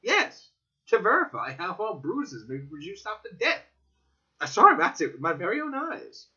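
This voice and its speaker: A man voicing a cautious, wry gentleman companion, explaining emphatically in a dramatic audiobook reading. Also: sits high, very animated, moderate pace, voice pushed up, full character voice. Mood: earnest. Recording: dull lo-fi recording.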